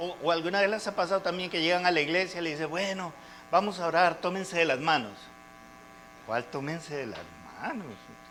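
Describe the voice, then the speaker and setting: Fairly quick and fairly high-pitched, a man talks over noticeable background noise. Room echo is audible. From Peru. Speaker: seminar speaker, pastoral worker. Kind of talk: men's seminar talk.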